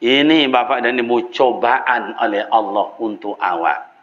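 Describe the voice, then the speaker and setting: An older man with a Minangkabau accent giving a sermon in a mosque, telling stories in a lively way with sudden leaps up in pitch and often turning to address his listeners directly. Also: measured pace, muffled recording. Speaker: preacher.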